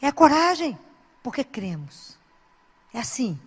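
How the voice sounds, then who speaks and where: A woman's voice: high voice, very animated, unhurried, slightly rough, long reverb tail. A woman who is a Christian speaker and doctor, giving an informal sermon full of anecdotes in an earnest, exhorting, conversational way.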